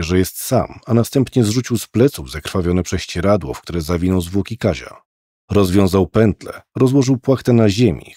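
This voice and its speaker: Deep-voiced male audiobook narrator. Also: mellow, slightly rough, dry recording, studio quality. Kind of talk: scripted narration.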